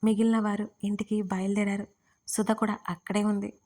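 A woman reads a romance audio story aloud, keeping her pitch flat and level. Her voice sits in the middle of a woman's range, with little rise or fall. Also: moderate pace. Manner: reads all parts herself in an even, steady voice. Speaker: writer and narrator. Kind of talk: scripted audio story narration.

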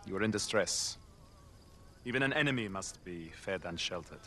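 An actor playing a solemn desert tribal sheikh, speaking in a formal, deliberate, grave way. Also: male voice, sits low, animated, pushed and bright, a little hiss or hum, full character voice. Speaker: video game character. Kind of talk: video game cutscene acting. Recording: game audio with music score.

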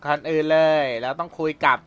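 A man's voice: on the high side, fairly even intonation, fast, bright, forceful tone. A young man casually commenting while playing a video game, chatty and rambling with polite filler endings. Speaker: gameplay commentator. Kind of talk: casual let's-play commentary. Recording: voice over game audio and music.

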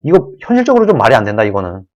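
A man's voice: medium pitch, huge pitch swings, racing, a little mellow. A man hosting his own channel, giving an earnest solo political commentary, pleading and restating each point.

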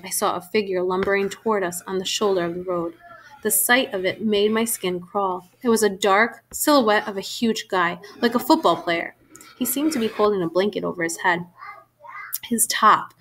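A woman narrating a novel in the first person, steady and vivid. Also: medium pitch. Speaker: audiobook narrator.

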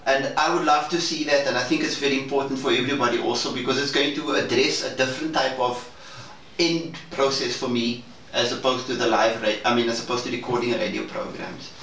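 A man's voice: medium pitch, steady tone, fairly bright tone. A man discussing plans in a casual meeting, choosing his words carefully and hesitantly. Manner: deliberate, hesitant, careful phrasing. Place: indoor room, off camera. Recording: very echoey, distant mic, faint noise.

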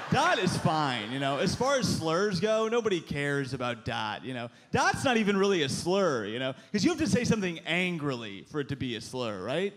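A man in his thirties doing a stand-up set on a club stage with a handheld mic, punchy and animated, with loud put-on voices. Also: high-pitched. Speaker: stand-up comedian. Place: club stage before a live audience. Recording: live club recording with crowd noise. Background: audience laughter.

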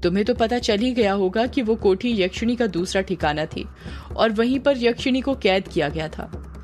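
Sudesh, a hesitant gentle uncle, read by a woman. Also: mid-range voice, normal speed, soft background music, lightly acted. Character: hesitant middle-aged uncle.

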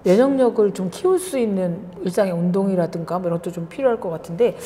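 A woman's voice: mid-range voice, animated, fast talker, warm tone, big-room sound, a little hiss or hum. A woman hosting a health talk show, asking questions in a chatty, playful way. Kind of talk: interviewing a guest.

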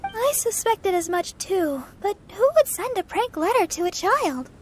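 A woman voicing a sweet, caring teenage girl in a video game, with a light girlish voice and gentle, coaxing manner. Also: very high voice, sing-song, unhurried, full character voice. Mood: pondering.

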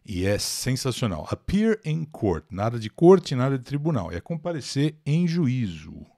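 A man's voice: medium pitch, sing-song, measured pace, dark tone, no echo, clean studio sound. An older man with a Brazilian Portuguese accent teaches an English lesson live, explaining words and answering viewers in the chat by name.

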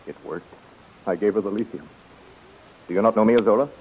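An actor playing a strong, smooth-talking servant, earnest and courtly, in a 1930s radio style. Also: male voice, lowish voice, a little fast. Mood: secretive, urgent. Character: powerfully built, smooth-talking, scheming male servant. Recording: muffled, hissy 1930s radio recording.

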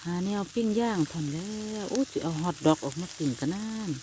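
A woman's voice: fairly low pitch, expressive, quick pace, mellow, a little hiss or hum. A woman with an Isan Thai accent chatting casually to her viewers while grilling outdoors, rambling along and often calling them brothers and sisters. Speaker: vlogger. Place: backyard outdoors by a charcoal grill.

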